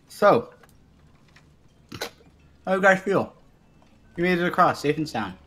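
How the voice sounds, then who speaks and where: A man's voice: on the high side, expressive, slow pace, a bit bright. A man playing a tabletop roleplay game, chatting and bantering casually.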